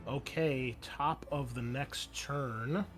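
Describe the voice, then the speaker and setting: A man's voice: medium pitch, slow, faint music behind. A man speaking casually as a game master, narrating scenes and explaining rules to players.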